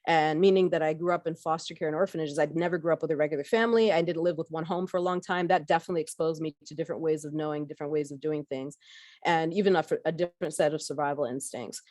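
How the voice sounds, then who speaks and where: A woman's voice: sits low, fairly even intonation, fast talker, a little mellow, no echo, studio quality. A middle-aged woman from Barbados giving a conversational workshop talk about her background, with frequent fillers and restarts. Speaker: workshop speaker.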